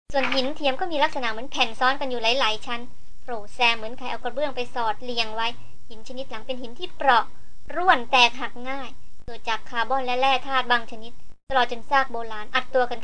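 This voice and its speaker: Cold, formal female scientist in a novel reading, read by a woman, high and bright. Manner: quiet but crisp, formal. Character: cool, reserved female scientist, cutting and formal.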